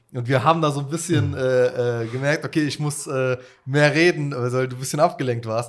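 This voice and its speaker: A man's plain, everyday voice at a medium pitch and a fairly quick pace. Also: fairly even intonation. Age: 20s. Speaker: YouTuber, interviewer. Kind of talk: casual chat.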